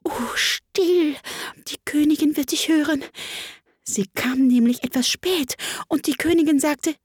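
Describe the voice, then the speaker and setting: A woman voicing a timid, nervous white rabbit who talks in quick, anxious whispers in a storybook reading. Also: sits high, a little mellow, no room sound, clean studio sound, pitched above the performer's own voice, close to an everyday voice.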